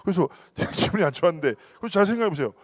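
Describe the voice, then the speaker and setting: A man's voice: sits high, racing, dry recording. A male pastor preaching a church sermon, telling stories with humor and acting out the quoted lines. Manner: animated storytelling with humor and acted quotes.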